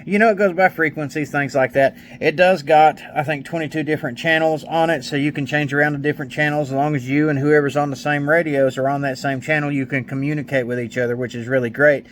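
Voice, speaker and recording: Folksy man with steady background noise. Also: on the high side, quick pace, hardly any pauses. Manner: folksy, plainspoken, colloquial grammar. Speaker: product reviewer, mechanic. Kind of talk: hands-on gadget review, casual chat.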